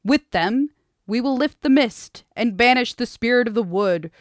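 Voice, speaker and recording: A woman voicing a brutal, broad-shouldered young male high prince who makes loud proclamations. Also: measured pace, smooth, no echo, clean studio sound. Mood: proclaiming.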